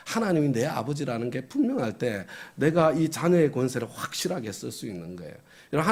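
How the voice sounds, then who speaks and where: A man's voice: medium pitch, a little mellow. A middle-aged man preaching a sermon as pastor, conversational, often asking the congregation questions and chuckling.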